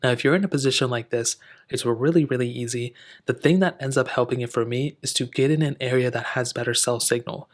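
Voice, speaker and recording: A man's voice: mid-range voice, fairly quick. A man hosting a how-to tech video, explaining steps in an informal, chatty way. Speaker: tech tutorial host. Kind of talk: casual how-to tutorial narration.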